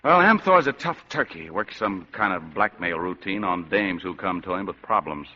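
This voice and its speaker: A man's voice: low-pitched, lively intonation, normal speed. An actor playing a hard-boiled male private eye with dry wisecracks and tough slang, in 1940s radio acting. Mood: wry. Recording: dull lo-fi old radio broadcast.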